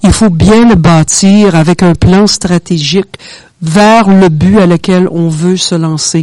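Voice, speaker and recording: A woman's fairly low voice, very slow, with fairly even intonation. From Quebec, Montreal. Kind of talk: competitive debate. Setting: radio studio.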